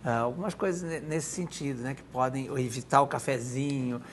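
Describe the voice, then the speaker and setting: A Brazilian woman with an extremely low-pitched voice co-hosts a talk show. Her talk is casual and chatty, readily agreeing with others. There is a slight rumble in the background. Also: steady tone, brisk. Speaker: co-host, radio presenter.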